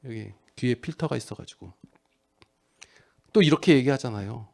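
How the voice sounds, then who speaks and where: Korean pastor preaching with rising fervor. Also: male voice, medium pitch, animated, normal speed, vocal fry. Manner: conversational preaching, acts out quoted lines, builds to loud emphatic peaks. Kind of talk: sermon.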